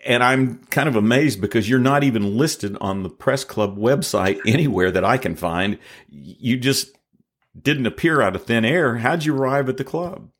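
A man hosting a podcast, telling a history story in a measured way and then interviewing his guest. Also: medium pitch. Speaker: podcast host. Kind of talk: scripted narration and interview. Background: faint guitar music.

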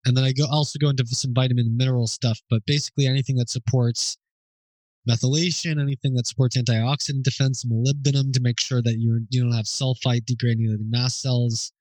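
A man hosting a question-and-answer session, thinking aloud as he answers listener questions in an informal, explanatory way, with pauses and self-corrections. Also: medium pitch, little pitch movement, a little mellow, dry recording, rough recording.

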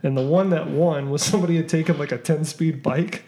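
A man's voice: fairly high pitch, fairly even intonation, fairly quick, warm tone. A man hosting a podcast in casual chat, rambling and joking with many "um"s and "uh"s. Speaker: podcast host.

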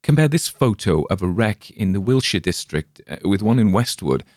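A man's voice: big pitch swings, moderate pace, a little mellow, no echo, studio quality. A man voicing a nervous, frightened grown man who was shaken after a crash, reading in a dramatic audiobook style. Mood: insistent. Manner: agitated, high-pitched, pleading.

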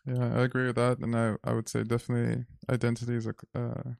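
A man from Zimbabwe, a guest in a reflective conversation, thinking aloud and pausing often to find the right word. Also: mid-range voice, completely flat delivery, gravelly, a little mellow, no room sound, clean studio sound. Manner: thoughtful, searching for words with many fillers.

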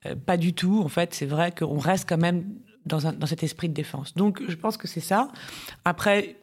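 A woman's voice: fairly low pitch, slightly rough. Chatty Parisian woman lawyer. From Paris, France. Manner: chatty and lively, quick asides, frequent laughs. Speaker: business tax lawyer, podcast guest. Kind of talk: casual interview chat.

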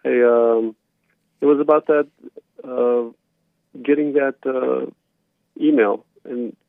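A man in his thirties calling a talk show by phone, telling a personal account casually and haltingly over a tinny line. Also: medium pitch, fairly even intonation, creaky, no echo. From born in Romania, later moved to the United States. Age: 30s. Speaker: caller.

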